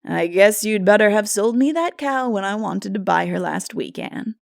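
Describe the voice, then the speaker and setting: A jovial male cattle buyer from a storybook, played by a woman reader. He is shrewd and folksy, talking business briskly in a matter-of-fact way, recorded dry and close. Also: mid-range voice, expressive, vocal fry, no room sound. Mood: amused. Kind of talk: dramatic audiobook character voice.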